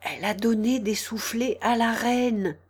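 A woman voicing a timid, nervous male white rabbit in an audiobook, speaking in hushed, anxious whispers. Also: fairly high pitch, a little slow, husky. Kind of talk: audiobook character reading.

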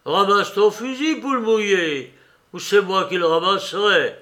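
A man voicing a brash condemned gypsy bandit with loud, boisterous, defiant outbursts in an audiobook. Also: high-pitched, takes it slowly, vocal fry, pitched above the performer's own voice, full character voice. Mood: scornful. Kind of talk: audiobook character voice.

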